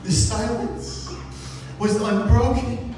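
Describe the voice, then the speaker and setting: A man giving a dramatic, haunted recitation of gothic poetry on stage, with halting pauses, recorded from the audience at a live event. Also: high-pitched, fairly even intonation. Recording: echoey hall, distant mic, noisy room.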